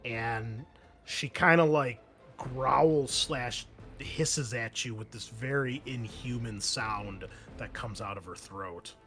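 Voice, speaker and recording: A man running a tabletop horror game, narrating scenes in a halting, descriptive way as game master. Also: mid-range voice, fairly bright tone, soft background music.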